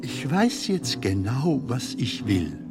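An actor playing a gentle, wistful film comedian in a radio drama, speaking in halting, hushed, wondering phrases. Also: male voice, mid-range voice, sing-song, over loud music. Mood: wistful, resigned. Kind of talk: radio drama acting in German.

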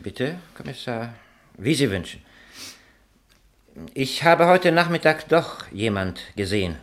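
An actor playing a lofty, evasive amateur poet under suspicion, with a theatrical manner, in a German radio crime drama. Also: male voice, mid-range voice, sing-song, a little slow.

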